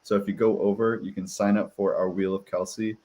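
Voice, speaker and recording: A man co-hosting a live podcast over a video call, giving breezy, upbeat announcements and shout-outs. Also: lowish voice, little pitch movement, a little fast. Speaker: podcast co-host and producer. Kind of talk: casual live-stream announcements.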